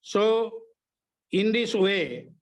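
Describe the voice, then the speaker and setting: Halting man from Assam, slow and high. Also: lively intonation. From Assam, India. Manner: halting, many fillers and restarts. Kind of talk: online meeting remarks.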